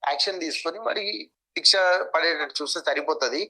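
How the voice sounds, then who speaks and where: A man's voice: a little high, fast talker, sharp tone, low-quality recording. A man with a Telangana Telugu accent giving an interview account as a local activist, insistent and repeating his points.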